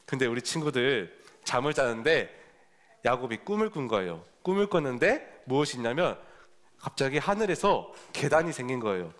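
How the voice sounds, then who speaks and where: A man's voice: medium pitch, very animated, moderate pace, fairly bright tone. A man preaching a children's sermon in a church service, telling the story with animation and asking the children questions.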